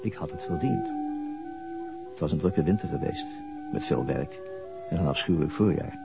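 An actor playing a weary, brooding middle-aged police detective in a radio drama, restrained and husky. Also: male voice, very deep voice, lively intonation, normal speed, loud music behind the voice, exaggerated voice. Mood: weary, resigned. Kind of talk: radio drama dialogue and inner narration.

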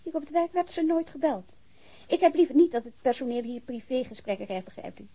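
An actress playing a polite, guarded business owner in a naturalistic radio drama. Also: female voice, high voice, lively intonation, a little fast, warm tone. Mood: explaining.

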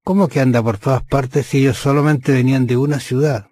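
A man's voice: medium pitch, steady tone, fairly quick, darkish tone, no room sound. A man co-hosting a conversational Bible lesson, thinking aloud with frequent hesitations. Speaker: Bible study co-host.

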